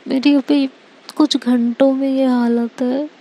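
Woman doing a lovesick young woman, pleading, emotional, slow, flat, gravelly, mellow. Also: high-pitched, a little hiss or hum. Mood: longing, pleading. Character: young woman in love, missing her girlfriend.

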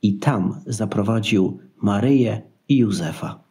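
A man's voice: lowish voice, measured pace, a little mellow. A man narrating a Christmas radio play in a scripted storytelling style.

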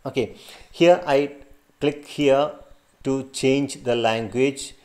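A middle-aged man with a Malayali English accent, a Malayalam native speaker, teaching a screen-recorded tutorial, halting and full of fillers and restarts, recorded on a built-in laptop mic. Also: medium pitch, steady tone, darkish tone. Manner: halting, many fillers and restarts, gestures while talking.

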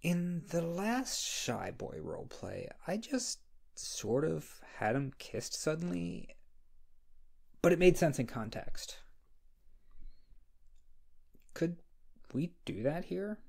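Man acting a shy, husky, creaky-voiced friend. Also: fairly high pitch, big pitch swings, darkish tone, exaggerated voice. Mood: flustered. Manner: hesitant, halting. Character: shy, flustered, insecure young male scriptwriter friend. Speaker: audio roleplay performer. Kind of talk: ASMR roleplay, intimate one-sided dialogue.

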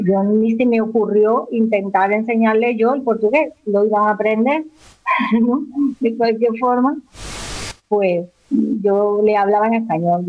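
A woman's voice: fairly high pitch, slight background noise. A woman in her forties with an accent from Spain, answering interview questions in a chatty way, often restarting and repeating words. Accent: Spanish from Spain. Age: 40s. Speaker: interview guest. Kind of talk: casual conversational interview. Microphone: phone call. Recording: narrow phone line.

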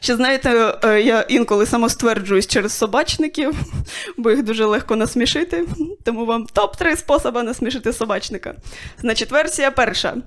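A young woman performing a stand-up set, telling stories in a dry way with quick voiced asides. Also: a little high. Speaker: stand-up comedian. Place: stage of a small comedy club.

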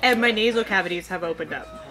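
A woman's voice: medium pitch, fast talker, pushed and bright. A woman casually reviewing food on a show, playful and exclaiming over the taste. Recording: crowd noise behind.

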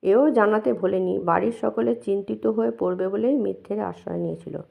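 A woman reads a first-person memoir in a calm, measured and reflective way. Her voice has a gravelly edge. The recording sounds dull and lo-fi. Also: medium pitch. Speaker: narrator. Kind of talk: memoir reading.

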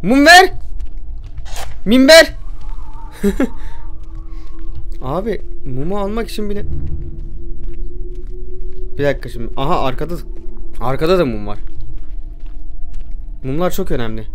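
A man's voice: fairly high pitch, lively intonation, moderate pace, long pauses, faint music behind. A man commentating a horror game as he plays, easily startled, talking back to the game with joking curses. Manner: jumpy, talks back to the game, jokey swearing. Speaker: gamer playing a horror game.

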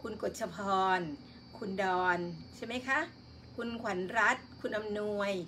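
Bright-voiced woman hosting a live stream. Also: mid-range voice, steady tone, a little slow, slight background noise. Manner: chatty and polite, greets viewers one by one. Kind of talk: casual live-stream chat, reading out viewer names.

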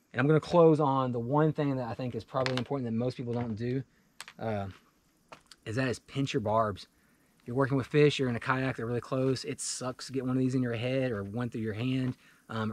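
A man in his forties talking casually to camera in a wooded clearing, walking through his fishing gear with lots of fillers and restarts. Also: mid-range voice, a little fast, dry recording. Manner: relaxed and chatty, many fillers and restarts. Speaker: fly fishing vlogger. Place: outdoors in a wooded clearing beside a pickup truck.

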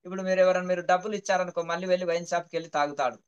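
Man, spiritual teacher, patient and repetitive, high voice, smooth tone, slightly dull lo-fi sound. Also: fairly even intonation, very fast. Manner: patient, explains by repeating phrases and checking understanding. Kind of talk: teaching with parables.

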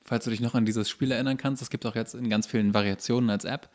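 Male podcast co-host, mid-pitched voice, casual and wry, rambles jokingly. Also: fairly even intonation, fast, a little mellow. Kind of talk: casual comedic podcast chat.

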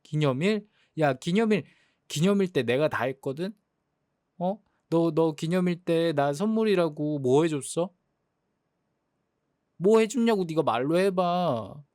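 A man's voice: on the high side, animated, measured pace, darkish tone, dry recording, clean studio sound. A young man playing a jealous boyfriend in a role-play drama, sulky and exasperated. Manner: sulky, hurt, exasperated complaining.

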